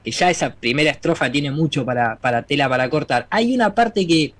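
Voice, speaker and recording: A man, a guest in a casual online debate, calm and reflective. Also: fairly high pitch, fairly quick.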